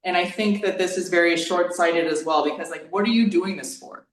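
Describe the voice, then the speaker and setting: A woman's voice: on the low side, fairly quick, recorded from a distance. A woman in her thirties, recorded in an echoey room some way from the mic. She chats in a loose, rambling way, dropping "like" into her sentences as in a casual interview. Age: 30s. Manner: rambling, peppered with "like". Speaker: YouTube creator on diet.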